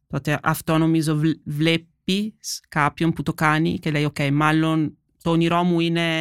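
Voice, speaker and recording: A woman with an Italian accent speaks fairly slowly in a very deep, low voice, with monotone, flat intonation and very even loudness, in a dry, close sound with no echo. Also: very clean recording, silent background. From Italy, near Milan. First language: Italian (speaking Greek). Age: 40s. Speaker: remote worker living on a Greek island. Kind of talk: interview, casual chat.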